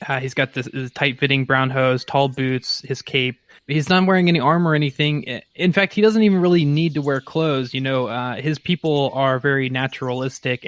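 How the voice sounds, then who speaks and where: A man playing a tabletop roleplaying game, casually improvising descriptions of his character and thinking aloud in a halting way. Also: mid-range voice, fairly bright tone, dry recording. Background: music.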